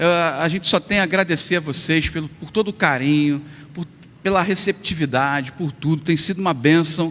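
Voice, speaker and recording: Speaking at a fairly quick pace, a man with a Rio de Janeiro accent has a high-pitched voice. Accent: Rio de Janeiro (carioca). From Rio de Janeiro, Brazil (São João de Meriti). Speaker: pastor. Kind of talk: sermon. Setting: church. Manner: animated.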